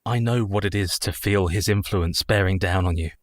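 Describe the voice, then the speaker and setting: An actor playing an earnest, tender young husband in a radio play. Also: male voice, low voice, moderate pace, no echo, clean studio sound, close to an everyday voice. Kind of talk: community radio play acting.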